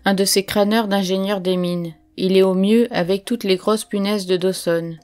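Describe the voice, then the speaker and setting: A woman's voice: mid-range voice, fairly even intonation, normal speed, a little mellow, soft background music, natural voice. A woman reading the part of a male onlooker who passes on knowing warnings. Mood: confiding. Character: gossiping man in a crowd, knowing.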